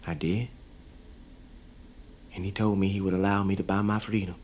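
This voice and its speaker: A man's voice: low voice, fairly even intonation, moderate pace, darkish tone, slight background noise, natural voice. An actor playing a hopeful young father, talking earnestly. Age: young adult. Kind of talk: audio drama.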